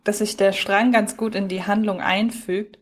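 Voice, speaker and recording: Woman, medium pitch, podcast co-host, unscripted chat, reflective, wordy. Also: little pitch movement, moderate pace, a crowd in the background. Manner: reflective, wordy, thinking aloud. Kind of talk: casual unscripted review chat.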